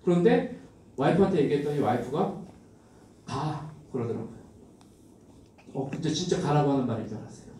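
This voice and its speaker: Middle-aged male seminar speaker, high and lively, mellow tone, animated storyteller who works the crowd. Very echoey hall, mic set well back. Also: quick pace, pauses often, distant mic, a little hiss or hum. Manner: animated storytelling, addressing the audience directly. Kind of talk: motivational seminar talk.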